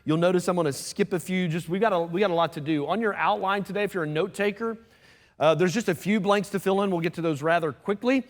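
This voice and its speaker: Fast-talking pastor. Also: male voice, high-pitched. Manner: fast-talking, conversational preacher with asides. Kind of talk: sermon. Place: church sanctuary. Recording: long church hall reverb.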